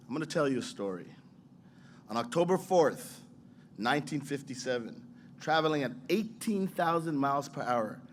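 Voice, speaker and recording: A man's voice: mid-range voice, a little hiss or hum. A man who heads a science museum, delivering a rousing, storytelling ceremonial speech.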